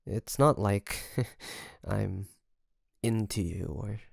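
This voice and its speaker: A man's voice: fairly low pitch, creaky, dry recording, studio quality, full character voice. A man playing a nervous, caring young best friend in an intimate audio roleplay, speaking hesitantly and straight to the listener. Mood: caring, teasing. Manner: hesitant, halting, soft nervous chuckles. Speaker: voice actor.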